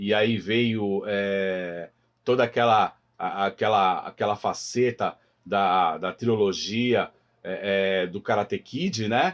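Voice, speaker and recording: A man speaks at a very slow pace in a fairly low pitch, his intonation fairly even. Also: quiet background. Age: 40s. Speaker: para-karate instructor. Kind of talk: interview. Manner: halting.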